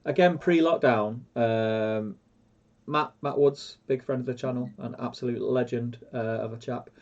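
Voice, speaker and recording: A congested man co-hosts a livestream, stumbling and restarting as he chats. His voice sits at an ordinary mid pitch. The sound comes through dull and lo-fi. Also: steady tone, a little slow. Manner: hesitant, many restarts. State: congested, bunged up. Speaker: co-host. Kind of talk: casual livestream chat.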